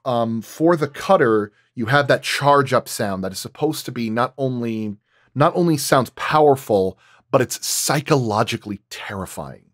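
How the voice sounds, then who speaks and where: A man's voice: medium pitch, moderate pace, no room sound, studio quality. A man speaking as a sound designer in a roundtable, thinking aloud and repeating and rephrasing as he explains his craft.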